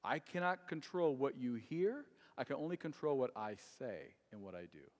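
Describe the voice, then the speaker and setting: A man preaching a sermon as pastor, earnest and rising to loud, emphatic stretches. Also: mid-range voice, sing-song, moderate pace. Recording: long reverb in a large hall.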